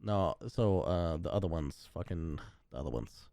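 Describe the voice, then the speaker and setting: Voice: deep voice, animated, moderate pace, a crowd in the background. A co-host of a gaming podcast chatting casually in a laid-back, hedging way with lots of fillers.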